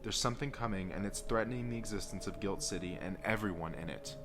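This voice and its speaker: A man's voice: fairly low pitch, quick pace, over music, close to an everyday voice. An actor playing a weary, secretive man changed by an otherworldly force, pleading urgently and lovingly in an audio drama. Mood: earnest warning. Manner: earnest, pleading.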